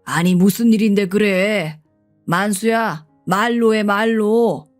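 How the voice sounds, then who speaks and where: A woman's voice: medium pitch, slow pace, lightly acted. A woman voicing an older male company chairman who speaks in a commanding yet familiar way, over faint background music.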